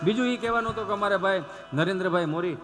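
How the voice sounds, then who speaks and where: A man performing comic storytelling live on stage, animated and constantly turning to the audience as 'sir' with rhetorical asides. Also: high voice, racing. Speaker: stand-up comedian.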